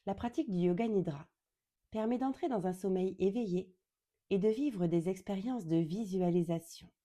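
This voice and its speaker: A woman guiding a yoga nidra meditation in a calm, gentle, soothing way, speaking deliberately and leaving long pauses. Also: medium pitch. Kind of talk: slow guided meditation.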